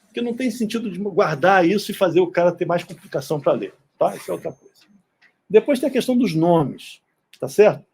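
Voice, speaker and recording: A man's voice: high voice, expressive, fairly quick, gravelly, a little mellow, slightly rough. A middle-aged man from Brazil giving an informal classroom lecture in an auditorium, often checking in with tag questions. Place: synagogue auditorium.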